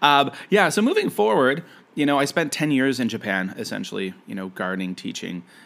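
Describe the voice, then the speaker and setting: A man talks at a moderate pace with a Maritime Canadian accent. His intonation is lively. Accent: Canadian (Maritimes). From Nova Scotia, eastern Canada. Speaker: podcast host, early years educator. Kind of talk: solo podcast monologue.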